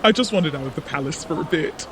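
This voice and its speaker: An actor playing a gossipy, grumbling giant palace servant in an audio drama, casual and griping. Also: male voice, a little high, animated, fast, background noise, close to an everyday voice.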